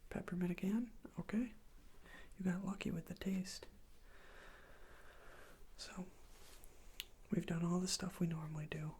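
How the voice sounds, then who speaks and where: A breathy, whispered voice with a creaky edge plays an examiner in an ASMR role play. The delivery is gentle and reassuring, walking the listener through each step. There is faint noise behind the voice. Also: mid-range voice, steady tone, measured pace, long pauses. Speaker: ASMR performer playing a medical examiner.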